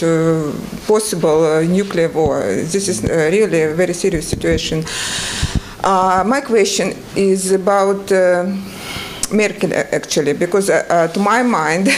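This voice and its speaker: A woman with a Russian accent asking a halting question at a conference, pausing often with filler sounds. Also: on the low side, a little hiss or hum, rough recording. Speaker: audience member asking a question. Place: conference room.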